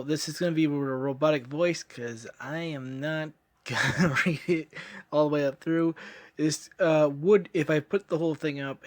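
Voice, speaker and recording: A man introducing a preview of his own novel, speaking casually and halting with fillers. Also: on the high side, no room sound. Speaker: author.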